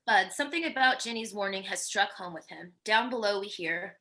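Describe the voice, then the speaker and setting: A woman's voice: medium pitch, a little fast, pushed and bright. A woman reading stage directions as scripted narration at a virtual table read.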